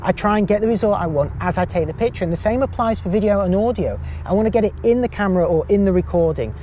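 A man with a high-pitched voice, chatting casually as a podcast guest with a self-mocking humor. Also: expressive, quick pace, dark tone, slight background noise. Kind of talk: casual chat.

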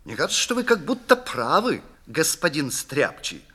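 An eager young violinist, voiced by a man reading the story bursts into rapturous exclamations. His voice sits high and bright, with a forceful ring. Classic theatrical storybook delivery. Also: very animated, normal speed, husky, full character voice. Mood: hesitant.

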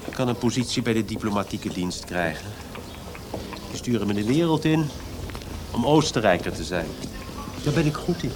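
An actor playing a fragile, self-pitying young poet in a Dutch radio drama, with a plaintive and halting delivery. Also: male voice, lowish voice, animated, lightly acted. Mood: resigned. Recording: radio play with noisy background ambience.

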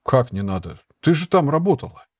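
A man's voice: mid-range voice, very animated, brisk, dry recording, studio quality, voice pushed up. A man voicing a weary wandering herbalist who talks firmly and sceptically in an audiobook. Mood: stern.

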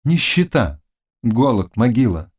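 A man voicing an exhausted young hussar knight who answers in short, halting words. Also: medium pitch, very animated, husky. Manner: weak, halting, terse answers.

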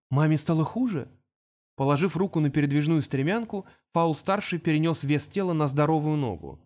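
A man reading an audiobook aloud with expressive, lively intonation. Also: fairly high pitch. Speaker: audiobook narrator. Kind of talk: scripted narration.

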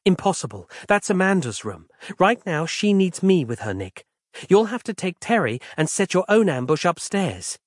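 A man narrating an audiobook voices a soft-spoken, persuasive woman. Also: sits high, big pitch swings, normal speed, dry recording, studio quality, pitched above the performer's own voice. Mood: persuading. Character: earnest, pleading woman companion.

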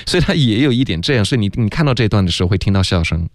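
A man teaching English on a radio lesson, explaining pronunciation slowly and laughing often. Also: fairly low pitch, lively intonation, no room sound.

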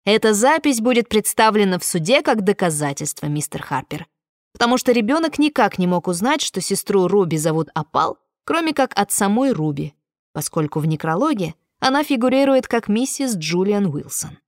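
A woman's voice: medium pitch, sing-song, normal speed, no echo, close to an everyday voice. Storybook federal agent, male and persuasive, read by a woman, mid-range voice, dry booth sound. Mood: formal.

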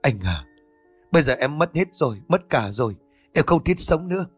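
A man's voice: fairly high pitch, big pitch swings, moderate pace, breathy edge, faint music behind. A man voicing a grieving young orphaned woman who pleads through tears. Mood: sobbing. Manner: tearful, pleading.

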